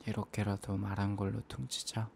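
A man in an ASMR role-play as an apologetic, self-blaming young boyfriend, speaking in a soft, intimate, hesitant murmur. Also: on the low side, completely flat delivery, moderate pace, vocal fry, slight background noise.

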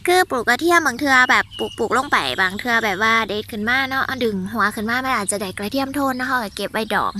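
A woman's voice: fairly high pitch, sharp tone, a little hiss or hum. A woman with an Isan accent giving a chatty walking tour of her vegetable garden, exclaiming and talking straight to her viewers.

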